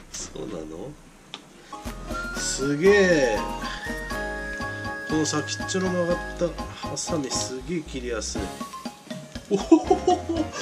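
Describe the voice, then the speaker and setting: A man's speech broken by long, frequent pauses, with clear music in the background. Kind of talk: casual vlog chat. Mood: amused, self-talking. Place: kitchen. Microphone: camera far.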